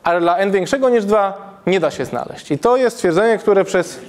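In an indoor classroom with a chalkboard, a university lecturer in his thirties gives a public math lecture. He has a high, animated voice and thinks aloud, often correcting himself and checking in with the audience through quick "tak?" questions.

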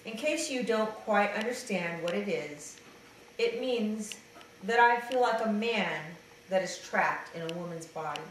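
A middle-aged trans man with a slightly raspy voice, talking hesitantly to his video diary with many fillers, then reading a letter aloud. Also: sits high, animated, a little slow, fairly bright tone. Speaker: vlogger. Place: dim room indoors, seated in an armchair. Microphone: camera mic at a distance. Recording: echoey room from far off, faint hiss.

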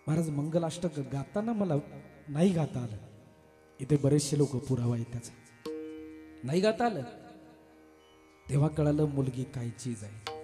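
Impassioned kirtan preacher, man. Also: on the high side. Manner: impassioned, swings from soft talk to loud chanting. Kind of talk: devotional kirtan sermon. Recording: echoey hall with music.

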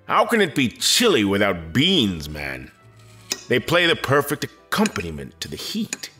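An actor playing a dignified, reserved space admiral who speaks in formal, measured, articulate phrases in an audio drama. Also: male voice, medium pitch, wildly swooping pitch, sharp tone, soft background music, heavily acted. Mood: wry, friendly.

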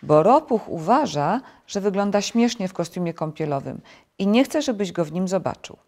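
A woman voicing a cheerful, eager young male frog with bright exclamations. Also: fairly low pitch, sing-song, moderate pace, voice pushed up.

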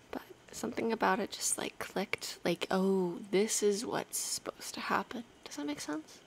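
A young adult woman speaking softly, often half-whispering, in a casual, intimate girlfriend roleplay with a slightly hesitant delivery. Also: medium pitch, lively intonation, a little slow. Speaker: ASMR roleplay performer playing an affectionate girlfriend. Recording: clear background noise, rainy night ambience. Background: rain ambience.

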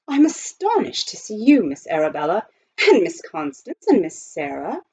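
A woman voicing a polite, earnest butler turned gold miner with a formal, halting delivery in a storybook reading. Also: mid-range voice, wildly swooping pitch, a little mellow, slightly rough, heavily acted. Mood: astonished, polite.

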